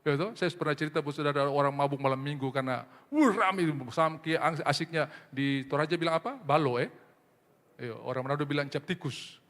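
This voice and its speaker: A man's voice: fairly high pitch, brisk, fairly bright tone. A man preaching a sermon as pastor, telling funny stories and acting out the voices in them. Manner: humorous storytelling, mimics voices in anecdotes. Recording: reverberant church hall.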